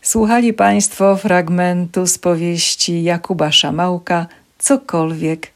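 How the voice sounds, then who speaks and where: A woman reading a passage of a novel aloud in measured, steady narration for a library program. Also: deep voice, gravelly, faint music behind. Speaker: audiobook reader for a library program.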